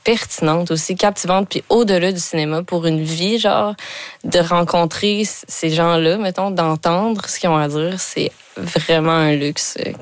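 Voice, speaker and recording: A woman's voice: lowish voice, steady tone, no room sound. A young woman with a Quebec French accent, a filmmaker guest in an interview, talking eagerly with many fillers. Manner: enthusiastic, fast, many fillers. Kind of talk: casual interview talk.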